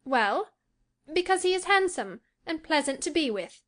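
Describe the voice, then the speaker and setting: A woman's voice: high voice, very animated, normal speed, fairly bright tone, voice pushed up. A woman voicing a peevish, anxious young lady in an audiobook, impulsive and emphatic in her pleading. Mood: defiant, insistent. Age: young adult. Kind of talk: audiobook character acting.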